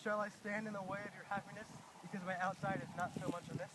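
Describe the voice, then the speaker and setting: A student playing Christian, quiet young soldier. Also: medium pitch, little pitch movement, quick pace, very noisy, close to an everyday voice. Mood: earnest. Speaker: student actor. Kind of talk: amateur school play reading.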